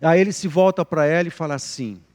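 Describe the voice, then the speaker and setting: A man from Brazil, a pastor giving an expressive sermon at a live church service, sometimes dropping to a near whisper. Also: fairly high pitch, fast talker. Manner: expressive preaching, drops to a whisper at times. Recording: live church recording with long reverb.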